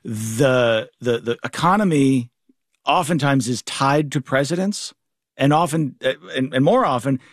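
A man's voice: mid-range voice, measured pace, dry recording. Man hosting a radio panel, dry studio sound. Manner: informal, rambling questions with restarts. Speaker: radio talk show host. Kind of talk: moderating a panel discussion.

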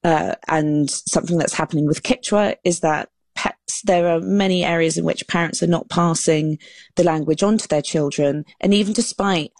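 A woman with a lowish voice talks through her ideas in an earnest, explaining way, and sometimes she restarts a phrase. The sound is dry and close. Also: moderate pace, a little mellow, no echo. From England. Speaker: author and guest. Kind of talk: radio panel discussion.

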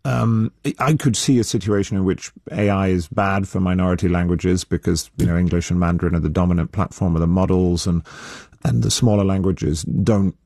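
A man's voice: low voice, fairly even intonation, a little fast, gravelly, mellow, dry recording, studio quality. A man on the panel as a guest, speaking in a hesitant, self-deprecating way and stumbling over his words.

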